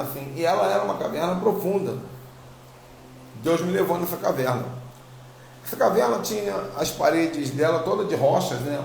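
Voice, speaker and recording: A Brazilian man shares a spiritual testimony in an informal, emphatic way, circling back over his phrases. His voice sits a little high for a man, with a gravelly creak and a slight tongue-tie. It is recorded in an echoey room with faint noise behind him. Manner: informal, emphatic storytelling with repetition. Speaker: apostle, religious teacher. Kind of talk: personal spiritual testimony to online followers. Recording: roomy echo, faint background noise.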